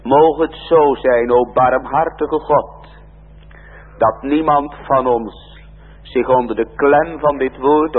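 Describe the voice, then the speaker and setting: Slow solemn preacher in an echoing church. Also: male voice, mid-range voice, husky. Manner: slow, measured and earnest, old church diction. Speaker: pastor. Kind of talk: solemn pulpit prayer. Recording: tinny lo-fi church recording in a reverberant hall.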